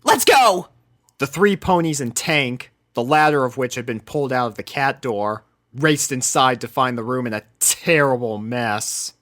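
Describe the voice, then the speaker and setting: A storyteller reads scripted fiction aloud with expressive delivery. The voice sits at a medium pitch and follows the drama of the prose. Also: normal speed. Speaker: fan fiction narrator.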